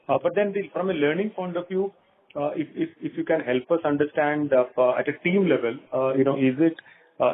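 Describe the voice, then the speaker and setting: A man with an Indian accent talks very quickly over a narrow phone connection. He is an analyst putting a question, wordy and hedged, with deferential phrasing. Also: medium pitch. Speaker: financial analyst asking questions. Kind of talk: spontaneous questioning on an earnings call. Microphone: phone line. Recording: tinny phone conference line.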